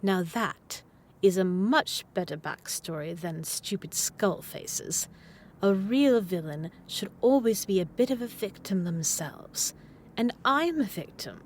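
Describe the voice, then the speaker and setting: A woman's voice: mid-range voice, animated, takes it slowly, a little hiss or hum. Woman playing a theatrical, swooping lady supervillain. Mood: self-pitying. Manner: theatrical, coy, flirty, with dramatic emphasis. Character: playful, obsessive, needy female supervillain smitten with her hero. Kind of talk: scripted roleplay audio addressed to the listener.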